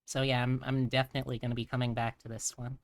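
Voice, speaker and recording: A woman's voice: extremely low pitch, level tone, fast talker, dry recording. A woman hosting a casual live stream, chatting and thinking aloud in a rambling way. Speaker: streamer host.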